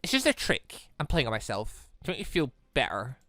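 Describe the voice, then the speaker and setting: A gamer voicing a wistful, doubting visual novel character in a halting, emotional way. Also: mid-range voice, wildly swooping pitch, pushed and bright, no room sound, pitched below the performer's own voice, exaggerated voice. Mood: wistful, disbelieving.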